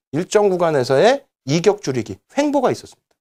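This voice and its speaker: This man's pitch rises and falls across a very wide range. He delivers his words at a fairly quick pace. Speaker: stock market instructor. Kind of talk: lecture. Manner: fast.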